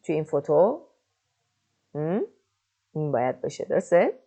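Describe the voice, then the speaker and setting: A woman teaching French, patiently explaining and slowly reading French example sentences. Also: low voice, very animated, warm tone. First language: Persian. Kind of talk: online language lesson.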